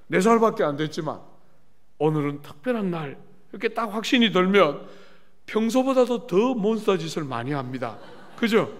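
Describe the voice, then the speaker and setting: A middle-aged man preaching at a church revival service, telling lively stories and often turning to the congregation with questions. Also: sits high. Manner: animated storytelling with asides to the congregation. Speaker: pastor. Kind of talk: revival sermon. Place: church sanctuary.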